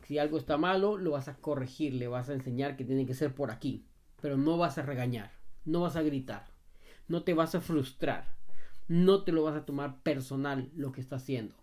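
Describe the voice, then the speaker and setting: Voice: medium pitch, normal speed, darkish tone. Dog trainer, casual advice video: direct, emphatic, repetitive, checks in with "ok?". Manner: emphatic and repetitive, often asks "ok?"; talks straight to the viewer in familiar second person.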